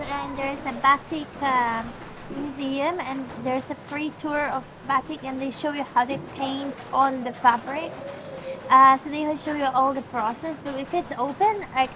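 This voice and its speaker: Female travel vlogger, high voice, eager casual explaining, recorded with heavy rain behind. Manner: eager, explaining plans and food. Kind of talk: casual vlog talk. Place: open-air eatery in rain. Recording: loud rain noise behind.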